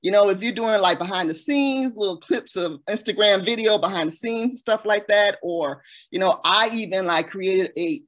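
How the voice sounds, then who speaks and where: A woman's voice: medium pitch, moderate pace. A woman who makes audio dramas, giving earnest, practical advice in a casual panel talk.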